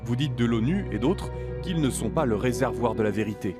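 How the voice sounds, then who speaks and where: A man's voice: medium pitch, fairly quick. Scripted male narrator over music. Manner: polished, even delivery. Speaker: documentary narrator. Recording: music bed behind.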